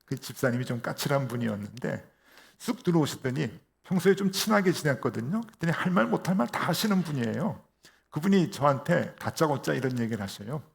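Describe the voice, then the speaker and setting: Gravelly-voiced Korean male pastor. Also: medium pitch, lively intonation, a little fast. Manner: conversational, acts out quoted dialogue. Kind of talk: storytelling sermon. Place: church sanctuary.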